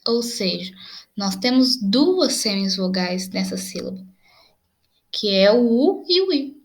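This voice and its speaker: A young woman with a Brazilian Portuguese accent teaches grammar in a video lesson, using a mid-range voice with big pitch swings. She explains patiently and spells out examples slowly.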